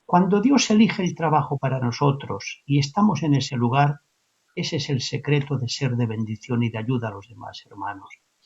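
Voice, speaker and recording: Speaking at a moderate pace, a man with a fairly high pitch and a somewhat breathy voice uses lively intonation and big swings in loudness. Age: 60s. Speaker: church elder. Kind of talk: religious interview.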